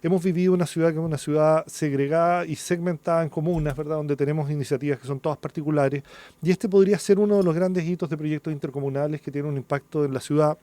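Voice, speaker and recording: A Chilean man talks quickly in a fairly high, mellow voice. He explains like an academic on a radio interview, often tagging statements with a quick check for agreement. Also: steady tone, no room sound. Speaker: academic guest, architecture vice dean.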